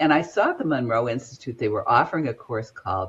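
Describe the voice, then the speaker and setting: A woman's voice comes through somewhat breathy. Her pitch swings very widely. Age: 70s. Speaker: spiritual medium. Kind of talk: interview storytelling.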